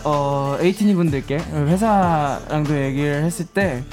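A man's voice: on the high side, measured pace, darkish tone, faint music behind. A young man in his twenties, a singer guest, answering thoughtfully with many fillers. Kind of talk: interview answers.

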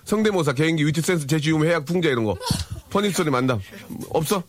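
A man hosting a live broadcast, joking and teasing guests in a bantering way. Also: on the high side. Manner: teasing, joking, fast and animated. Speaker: live show host.

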